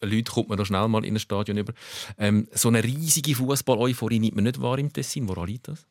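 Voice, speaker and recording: A man who hosts a casual chat, asking brisk questions. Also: lowish voice, darkish tone, no room sound, clean studio sound. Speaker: host. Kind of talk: casual talk show chat.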